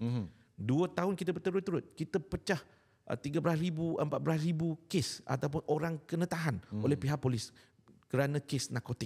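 A man with a fairly high voice and a dark, mellow tone speaks at a moderate pace with ordinary pitch variation. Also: very even loudness, quiet background. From Malaysia, Johor; Malaysia. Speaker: state politician. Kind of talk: interview. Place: studio. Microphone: studio mic.

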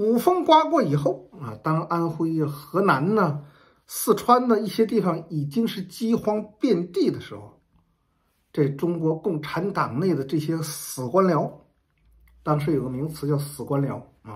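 Speaking at a fairly slow pace against a quiet background, a man uses lively intonation and big swings in loudness. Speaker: history commentator. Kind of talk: commentary. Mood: critical, indignant. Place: home room. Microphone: phone near.

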